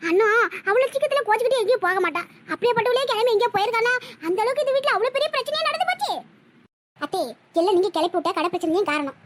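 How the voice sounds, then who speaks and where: A woman's voice: very high voice, a bit bright, slight background noise. A woman voicing a chatty, meddling but caring middle-aged village aunty in a cartoon, scolding and advising in a Tirunelveli Tamil accent. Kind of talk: cartoon voice acting.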